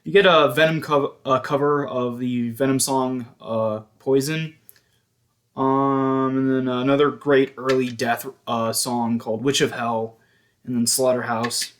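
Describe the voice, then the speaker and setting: A man's mid-range voice, with fairly even intonation, narrates a casual show-and-tell as a music collector vlogger. He hesitates a lot and often halts to correct himself.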